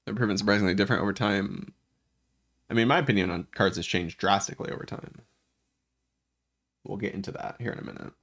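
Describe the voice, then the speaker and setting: A man's voice: on the low side, fast, pauses often, a bit bright. A man who is a gaming YouTuber, casually thinking aloud as he ranks game cards, his voice worn from illness and his speech full of restarts. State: voice worn from illness, occasional coughs. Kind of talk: casual commentary while ranking game cards.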